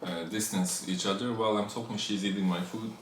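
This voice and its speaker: Man in his twenties with a Turkish accent, teasing and halting co-host; echoey room. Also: fairly low pitch, fairly even intonation. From eastern Turkey. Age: 20s. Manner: teasing, halting second-language English. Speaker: co-host, boyfriend. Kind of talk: casual couple Q&A chat. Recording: echoey room with faint noise.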